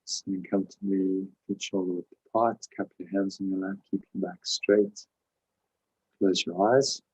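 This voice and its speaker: Low, husky man guiding a meditation. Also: lo-fi sound. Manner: calm, measured instruction with pauses. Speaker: meditation teacher and host. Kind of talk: guided meditation with spiritual teaching.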